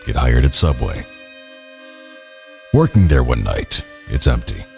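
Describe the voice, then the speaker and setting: A man reads internet stories for laughs in a terse, dry way. His low voice is gravelly and lively in pitch, and he takes his time. Faint accordion music plays behind him. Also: unhurried. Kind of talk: comedic reading of internet stories.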